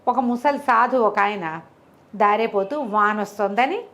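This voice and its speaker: A woman telling a folk tale in a colloquial, conversational way, with animated asides. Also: mid-range voice, measured pace. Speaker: storyteller. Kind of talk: conversational oral storytelling of a folk moral tale.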